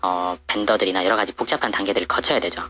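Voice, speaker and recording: A man's voice: low voice, steady tone, rapid-fire, bright, forceful tone, dull audio, a little hiss or hum. Man with an electronically disguised voice. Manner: matter-of-fact, peppered with hesitant fillers. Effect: voice disguised by an electronic voice changer. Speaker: anonymous supplier to TV shopping channels. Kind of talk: interview answers.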